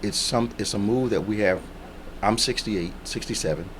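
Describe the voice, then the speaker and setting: A man in his sixties hosts a call-in talk program. His voice sits fairly low, and he speaks plainly and steadily, repeating key phrases. There is a faint hiss in the background. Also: normal speed. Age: 60s. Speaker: radio talk show host.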